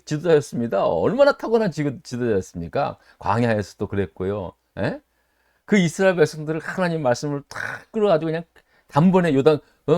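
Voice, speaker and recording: A middle-aged man pastor leading a Bible study sermon, speaking in an animated way, asking his listeners rhetorical questions and acting out quoted voices. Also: no echo, clean studio sound. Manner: acts out quoted voices with sudden jumps in pitch.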